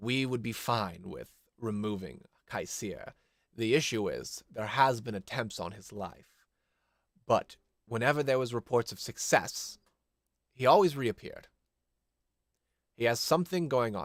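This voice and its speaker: A man does a rumbling, put-on character voice at medium pitch and a moderate pace. He leaves long, frequent pauses, on a very clean recording with a silent background. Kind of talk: formal.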